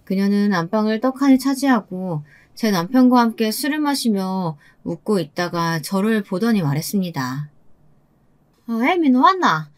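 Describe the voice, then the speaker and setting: A woman giving a scripted first-person narration of a true-life story in a steady storytelling voice. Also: mid-range voice, moderate pace, few pauses.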